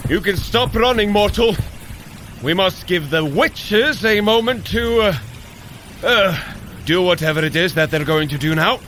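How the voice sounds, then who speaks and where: A plain-spoken god of thunder in an audio drama. His speech is slow and formal, fairly high for a man and very animated, courteous but wary. Watery ambience runs behind him. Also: slight background noise. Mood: uneasy. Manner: formal old-fashioned phrasing, slow and emphatic. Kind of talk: scripted audio drama acting.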